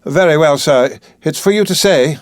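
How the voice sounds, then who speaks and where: Fussy middle-aged housekeeper, raised pitch, hesitant and respectful, voiced by a man. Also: moderate pace, dry recording, clean studio sound, natural voice. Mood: resigned. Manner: hesitant, deferential.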